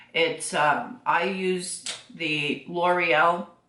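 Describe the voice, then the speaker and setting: Amid noticeable background noise and audible room echo, a woman talks at a medium pitch with ordinary pitch variation. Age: 60s. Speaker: beauty vlogger. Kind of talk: makeup tutorial. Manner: casual, halting with repetitions.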